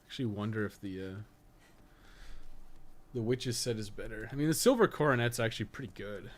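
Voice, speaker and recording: A man's voice: on the low side, expressive, fairly quick. A man giving casual live video game commentary as a streamer, with a wry, offhand, sarcastic way of talking.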